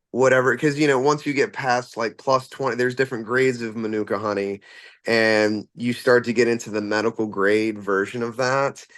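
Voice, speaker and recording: A man's voice: mid-range voice, dry recording. A man who fronts a rock band, answering interview questions casually and rambling with plenty of fillers and restarts.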